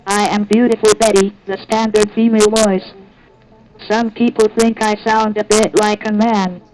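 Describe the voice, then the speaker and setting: Robotic female synth voice, monotone, slightly mannish, vintage speech synthesizer, played as a demo. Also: medium pitch, normal speed, poor audio. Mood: plain.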